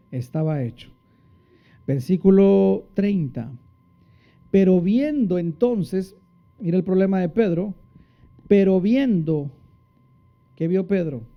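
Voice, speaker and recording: Dramatic preacher, lo-fi. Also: male voice, creaky. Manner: dramatic, acts out quotes with big pitch swings; asks the congregation questions and answers them. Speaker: pastor. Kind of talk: sermon. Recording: dull lo-fi sound.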